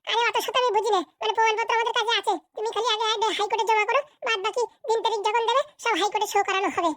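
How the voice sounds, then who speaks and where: A woman's voice: very high voice, flat delivery, racing, fairly bright tone, no room sound, studio quality. A woman voicing a bossy, impatient female politician in a comedy cartoon, curt and insistent.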